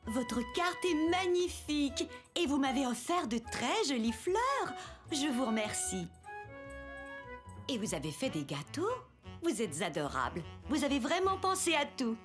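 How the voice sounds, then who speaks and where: Gracious, delighted woman teacher, children's cartoon; high and very animated, with music behind. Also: measured pace. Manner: gushing, gracious.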